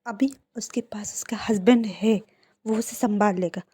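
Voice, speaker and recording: A woman voicing a calm middle-aged mother who speaks softly and gently firmly while reading a fan fiction story. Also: mid-range voice, a little slow, slightly rough, no room sound. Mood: hushed.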